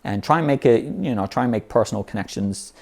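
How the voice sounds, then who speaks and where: A man's voice: mid-range voice, expressive, quick pace, vocal fry, a little mellow, breathy edge. A man teaching how to learn vocabulary in an easygoing, unscripted way, often restarting phrases and saying "you know". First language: English. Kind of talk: unscripted explanatory talk.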